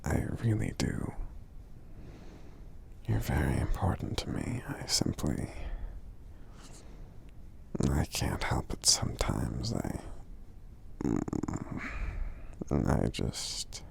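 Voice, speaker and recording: A man voicing a gentle, sleepy, affectionate giant in a soft-spoken ASMR roleplay, murmuring slowly and hesitantly in a gravelly half-whisper. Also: rumbling low, huge pitch swings, full character voice. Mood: tired, reassuring. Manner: slow, hesitant, murmuring with frequent hums.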